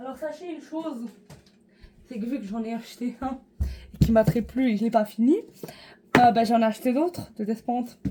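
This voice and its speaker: At a fairly high pitch, a woman speaks with lively intonation. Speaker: booktuber. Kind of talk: casual chat. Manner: talkative, hesitant.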